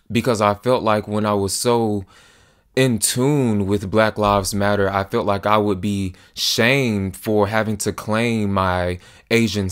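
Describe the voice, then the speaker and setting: Young male vlogger in his twenties; earnest, emphatic delivery in a slightly low register. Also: a bit bright. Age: 20s. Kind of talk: personal to-camera monologue.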